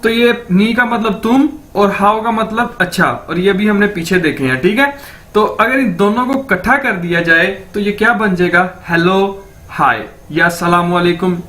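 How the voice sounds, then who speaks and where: A man's voice: high voice, pushed and bright. A man with a Pakistani Urdu accent teaching a language lesson, patiently repeating each word and checking in with his viewers.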